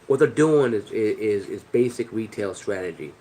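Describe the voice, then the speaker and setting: A man with a fairly low voice, stuffy and nasal from a head cold, rants to his viewers about a grievance. He rambles, restarts his sentences and swears under his breath now and then. A faint hiss of background noise sits under the recording. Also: lively intonation, normal speed, warm tone, low-quality recording. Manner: rambling, frustrated, cursing, many restarts. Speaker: vlogger. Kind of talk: casual rant to camera.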